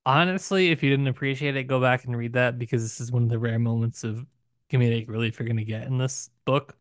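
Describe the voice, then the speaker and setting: A man co-hosting a podcast, talking through a book casually with emphatic, deliberate phrasing broken by pauses. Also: mid-range voice, steady tone, no room sound, clean studio sound. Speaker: podcast co-host.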